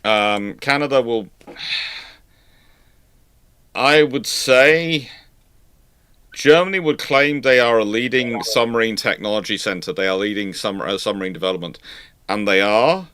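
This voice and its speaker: Guy doing live q&a commentary, lowish voice, very dry sound, emphatic and a bit halting. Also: fairly bright tone, clean tone, no room sound. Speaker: host of a naval history live Q&A. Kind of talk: informal expert commentary answering questions.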